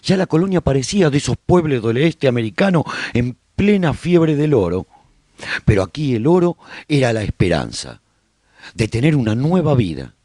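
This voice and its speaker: A man playing a survivor who recounts life in a post-apocalyptic colony, narrating a radio serial in an expressive, husky storytelling voice. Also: mid-range voice, normal speed, no echo. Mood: hopeful. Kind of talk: scripted first-person radio drama narration.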